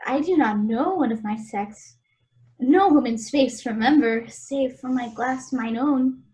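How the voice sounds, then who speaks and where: A woman's voice: a little high, measured pace, dark tone, close to an everyday voice, low-quality recording. A woman playing an innocent, lovestruck young maiden, speaking earnest formal verse in a Shakespearean radio play. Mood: shy, tender.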